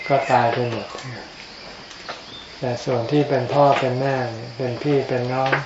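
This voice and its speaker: A man giving an informal Buddhist sermon as a monk, in a low-key murmur, with short phrases and pauses. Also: flat delivery. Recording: echoey, dull lo-fi, noisy with insects.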